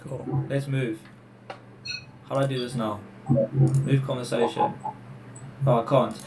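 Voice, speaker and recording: A man's voice: medium pitch, fairly even intonation, unhurried, mellow, roomy sound, distant mic, slight background noise. A man from Wales hosting a casual team video call, chatty and upbeat, guiding people around. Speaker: host.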